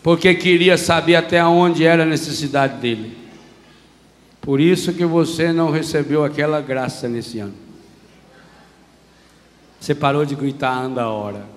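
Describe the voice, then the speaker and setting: A Brazilian man with a Brazilian Portuguese accent, preaching a lively, humorous sermon as a priest and acting out voices, in a reverberant church hall. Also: a little high, normal speed, long pauses.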